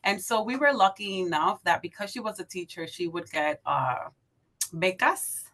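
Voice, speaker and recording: A woman in her thirties from the Dominican Republic, a podcast guest telling her story casually, upbeat and quick to laugh. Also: on the low side, lively intonation, a bit bright. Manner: upbeat, laughs easily, fillers like um and like.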